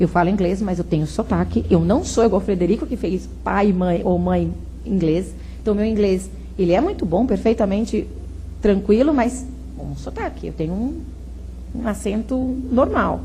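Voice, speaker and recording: Audible room echo surrounds a woman who talks at a moderate pace with long, frequent pauses. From Brazil. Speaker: lawyer. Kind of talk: talk to an audience. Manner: conversational, with repetitions.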